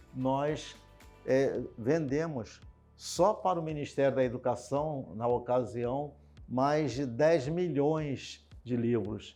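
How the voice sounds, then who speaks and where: There is music in the background. Over it, a man talks at a medium pitch. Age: 70s. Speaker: educator and author. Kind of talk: interview answer.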